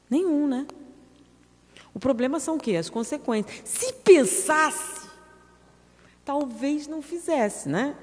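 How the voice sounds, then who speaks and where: Woman lecturer, lively pitch, echoing hall. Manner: rhetorical questions to the audience, acting out objections. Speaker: spiritist lecturer. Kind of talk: public spiritist lecture. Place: lecture hall of a spiritist center.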